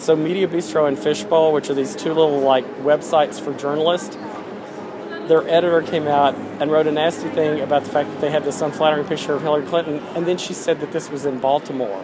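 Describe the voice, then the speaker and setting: Noticeable background noise fills the clip. The words come out at a very fast pace. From Tennessee (Shelbyville). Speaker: video blogger. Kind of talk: casual chat.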